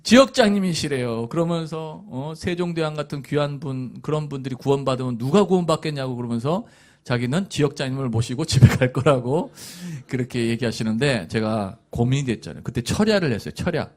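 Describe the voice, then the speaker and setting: A chatty Korean pastor preaching. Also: male voice, medium pitch, expressive, brisk. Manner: chatty storytelling with asides and chuckles; rousing calls to the congregation. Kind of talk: sermon.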